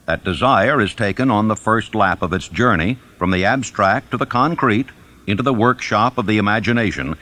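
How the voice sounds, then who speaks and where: Guy narrating a self help audiobook, lowish voice, really varied intonation, measured n emphatic, teacherly. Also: fairly bright tone.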